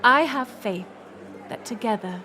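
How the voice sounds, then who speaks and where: Woman acting a slow-spoken regal queen. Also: a little high, animated, pushed and bright, some chatter behind, slight background noise. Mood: earnest reassurance. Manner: formal, stately, measured diction. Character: regal middle-aged queen and mother, gracious, reassuring, resolute. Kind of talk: scripted audio roleplay acting.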